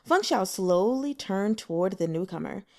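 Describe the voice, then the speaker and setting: A woman reading scripted fiction aloud as an expressive audiobook narrator. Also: mid-range voice, normal speed, vocal fry.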